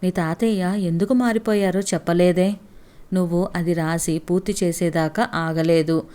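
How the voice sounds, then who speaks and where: A woman's voice: on the low side, fairly even intonation, normal speed, warm tone, clear, resonant tone, lightly acted. A woman voicing an affectionate young husband in a read-aloud story, teasing and coaxing his wife. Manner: teasing, pleading.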